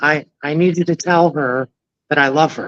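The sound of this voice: A booming, put-on character voice at a middle pitch and moderate pace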